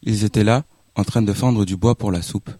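A man reading a literary story aloud as an audiobook narrator, in a measured, even way. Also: fairly low pitch, no echo, studio quality.

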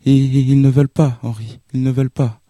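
A man reading a story aloud, voicing a spoiled young wife who pleads in a halting, trembling way. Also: medium pitch, dark tone, no room sound, clean studio sound, natural voice. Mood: tearful.

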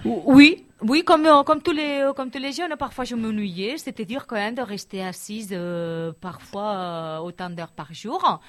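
A middle-aged school life counselor from Barcelona, Spain, answers interview questions thoughtfully, often pausing and restarting. Her voice sits fairly high.

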